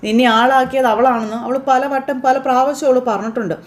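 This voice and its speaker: A woman's voice: sits high, steady tone, lightly acted. A woman reading out a bitter scheming mother. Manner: slow, lightly acted reading of reported lines. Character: bitter scheming middle-aged mother turning her son.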